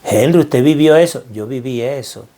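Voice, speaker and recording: A man's voice: medium pitch, moderate pace, mellow. A middle-aged man with a Venezuelan accent giving an earnest, preacherly motivational talk, repeating phrases for emphasis. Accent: Venezuelan Spanish. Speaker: financial mindset speaker.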